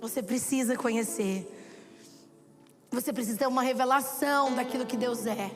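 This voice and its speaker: A woman's voice: a little high, moderate pace. A woman preacher giving a sermon, telling stories and acting out the dialogue with animation. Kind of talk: sermon with storytelling. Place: church hall. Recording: long hall reverb with soft background music.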